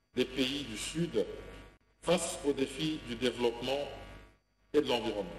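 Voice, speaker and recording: A man talks at a fairly slow pace in a fairly high pitch, with ordinary pitch variation. Audible room echo and light background noise are present. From Democratic Republic of the Congo. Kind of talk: parliamentary session chairing; formal report reading. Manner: formal. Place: hall. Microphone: podium.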